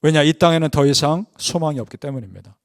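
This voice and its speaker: A man's voice: quick pace, dry recording, clean studio sound. Earnest Korean-speaking male pastor preaching. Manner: earnest preaching, rising with emphasis then dropping low; leads congregation in scripture reading. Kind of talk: early-morning prayer sermon.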